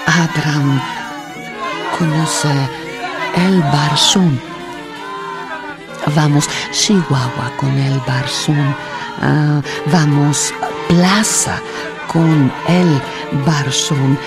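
An actress playing a displaced woman in a radio drama, recounting hardship in broken, with halting fragments and repeated words. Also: deep voice, steady tone, creaky, over loud music, a loud crowd, full character voice. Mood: earnest, determined. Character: sad, displaced woman haltingly recounting losing her home.

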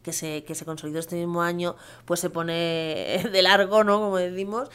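A woman's voice: fairly low pitch, steady tone, moderate pace, fairly bright tone, smooth. A middle-aged woman from Spain with a Castilian Spanish accent, speaking earnestly as a guest in a live radio interview, often adding tag questions and fillers. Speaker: guest lawyer and activist.

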